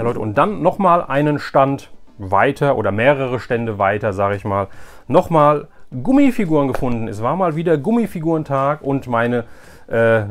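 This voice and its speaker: Chatty man casually presenting a collector's vlog. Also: medium pitch. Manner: chatty, informal, addresses viewers directly. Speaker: YouTube host, flea market collector. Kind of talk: casual haul vlog chat.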